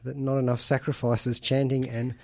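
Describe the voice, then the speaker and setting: A man's voice: medium pitch, flat delivery, normal speed, gravelly, dark tone. An Australian man hosts a casual radio show from a studio. He is jokey and enthusiastic and laughs often between lines. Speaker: radio host.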